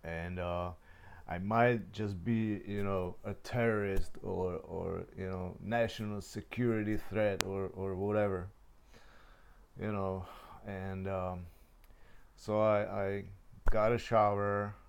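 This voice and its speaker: A young man whose first language is Czech, telling a long personal travel story in casual, halting speech full of fillers and restarts. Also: sits low, fairly even intonation, vocal fry, smooth. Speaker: vlogger.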